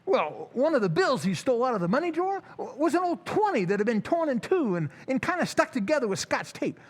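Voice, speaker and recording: A man's voice: very high voice, very animated, brisk, full character voice. A man playing a flustered, eager working-class station attendant in an old-time radio drama, stammering and rambling in slang. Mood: earnest.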